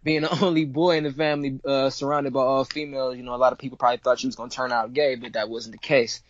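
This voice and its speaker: In a relaxed interview chat, a guest rapper from Cleveland, Ohio, in his twenties, talks with slang and plenty of repetition. He has a mid-range voice with a flat delivery and quick pace, captured in a dry, lo-fi recording.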